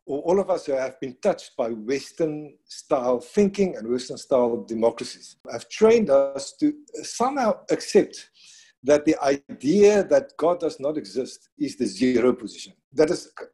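A middle-aged man with a non-native English accent, speaking thoughtfully in a conversation, with frequent restarts and pauses. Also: mid-range voice, lively intonation, mellow, husky. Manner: thoughtful, halting, with many restarts. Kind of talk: conversational discussion.

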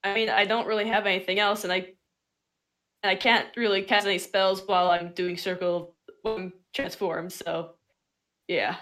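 Female game player, middle pitch, informal and conversational at the table. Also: level tone, moderate pace, a bit bright. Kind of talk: casual game chat.

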